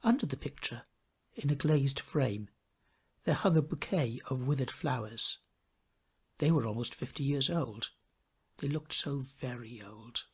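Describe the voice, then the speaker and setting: A man narrating a fairy tale from a script in an expressive, theatrical manner, often hushing his phrase endings. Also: mid-range voice, a little slow, pauses often, slightly rough. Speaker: storybook narrator.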